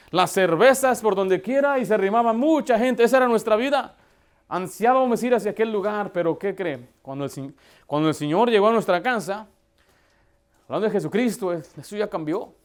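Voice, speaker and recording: A man who is a pastor preaching a sermon, telling family stories and addressing the congregation directly. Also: high-pitched. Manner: storytelling with acted quotes and direct address.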